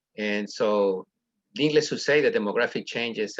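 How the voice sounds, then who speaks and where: Dry and close with no echo, a man speaks with a Spanish accent at a fairly low pitch and a moderate pace. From Ecuador. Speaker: business consultant. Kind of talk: webinar presentation. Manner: halting, many fillers.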